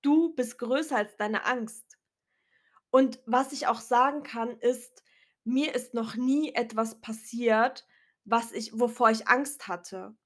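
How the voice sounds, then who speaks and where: A woman speaking loudly and earnestly to her viewers in a casual, unedited motivational vlog, her voice a little strained. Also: fairly high pitch, slow. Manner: earnest, encouraging, talks loudly. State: clearing her throat, voice a bit strained. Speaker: vlogger. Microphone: self-recorded, unedited.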